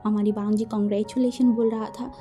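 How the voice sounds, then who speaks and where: A woman's voice: mid-range voice, little pitch movement, fairly quick, warm tone, faint music behind. A woman casually retelling a fan-fiction story as a channel host, chatty and full of filler phrases.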